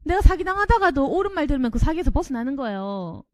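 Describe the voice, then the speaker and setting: A woman's voice: high-pitched, sing-song, quick pace, no echo. A woman pastor preaching a sermon, asking the congregation questions and acting out quarrelsome inner voices.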